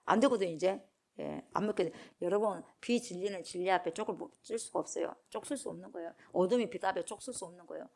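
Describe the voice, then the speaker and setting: A woman's voice: lowish voice, quick pace, darkish tone. A middle-aged woman pastor giving an early-morning prayer sermon, emphatic, repeating key words and putting questions to the congregation.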